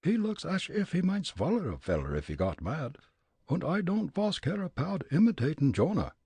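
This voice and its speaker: Here is a jolly, shrewd young detective with a thick German accent, as a male narrator puts him on, talking in folksy broken English with a high, swooping voice. He sounds husky and close, with no room around him. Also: very animated, moderate pace, warm tone, dry recording, exaggerated voice. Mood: wary. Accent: put-on German.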